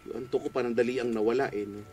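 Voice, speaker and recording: A man's voice: mid-range voice, steady tone, racing, background noise. A man with a Filipino accent working as a radio DJ, bantering and greeting listeners in a giggly, playful way. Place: small radio studio. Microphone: studio boom mic with headphones.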